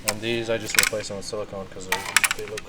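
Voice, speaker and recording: A man's voice: fairly low pitch, flat delivery, fast talker. A man working as a mechanic, talking in a matter-of-fact way while he inspects an engine in a garage. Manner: matter-of-fact, short answers. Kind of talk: casual shop talk. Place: auto repair garage. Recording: loud garage noise.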